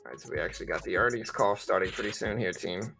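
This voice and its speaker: Over background music, a man with a low, creaky voice talks quickly while hosting a livestream about stocks. His market commentary is casual and explanatory, aimed at viewers, and he hedges both ways.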